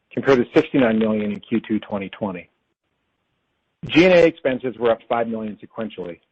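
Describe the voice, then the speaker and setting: Man, slightly rough husky voice, corporate finance executive, formal scripted delivery, measured, dull conference call sound. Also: medium pitch, darkish tone. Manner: formal, measured reading of prepared figures. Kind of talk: scripted earnings call presentation.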